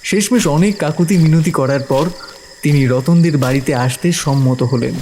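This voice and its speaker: A man's voice: on the high side, normal speed, slight background noise. A man narrating a village ghost story in a dramatic scripted style. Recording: narration over loud music. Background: music with crickets.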